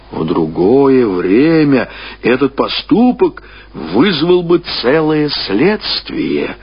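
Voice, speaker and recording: Husky male narrator of literary radio drama. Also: mid-range voice, dull audio. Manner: measured, expressive storytelling with weighty pauses.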